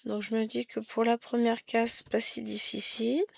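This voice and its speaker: Her voice on the high side, level in tone and creaky, this middle-aged cross-stitch vlogger from France talks at a normal speed. The chat is casual and rambling, self-mocking, full of asides and restarts.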